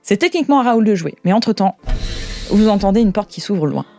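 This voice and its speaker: A woman with a French accent improvising narration as game master of a tabletop role-playing game, thinking aloud in halting phrases. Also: medium pitch, lively intonation, mellow, soft background music. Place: studio.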